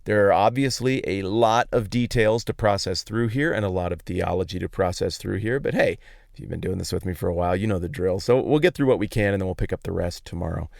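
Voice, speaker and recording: A man's voice: low-pitched, quick pace, creaky, a little mellow, dry recording, studio quality. A man hosting a podcast, giving a casual, conversational Bible teaching talk in informal, explanatory language. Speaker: podcast host.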